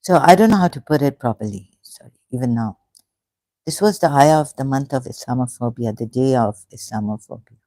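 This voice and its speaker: A speaker from Pakistan, an online religion commentator rambling through a solo livestream in a halting, emotional way with many broken-off phrases. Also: medium pitch, lively intonation, warm tone, no echo. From Pakistan, grew up in Karachi.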